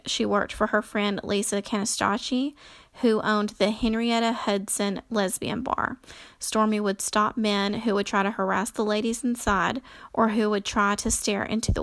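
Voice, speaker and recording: A woman's voice: medium pitch, fairly bright tone, no room sound. A woman reading book passages aloud at home in a casual way, with frequent fillers and self-corrections. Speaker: reader presenting history from books. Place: home room.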